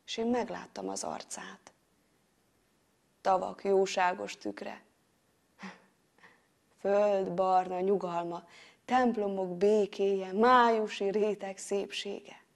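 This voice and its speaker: A woman storyteller narrates a fairy tale with great expression. She moves from loud, bright sound words down to soft whispers. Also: mid-range voice, steady tone, vocal fry, pauses often. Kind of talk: dramatic storytelling.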